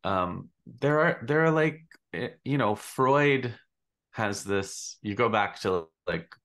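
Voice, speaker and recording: A man's voice: fairly low pitch, lively intonation, slow pace, fairly bright tone. A man in his fifties, a podcast host, talking through ideas in a casual video-call discussion, searching for words as he goes. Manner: thoughtful, searching for words, gestures a lot. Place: home room on a video call.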